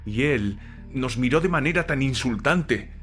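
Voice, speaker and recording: A man's voice: medium pitch, lively intonation, measured pace, a bit bright, soft background music. A man playing a young ex-soldier servant in a dramatized horror audiobook, frightened yet defensive and deferential to his master. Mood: indignant, disgusted. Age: young adult. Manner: deferential, repeatedly addressing his master as sir.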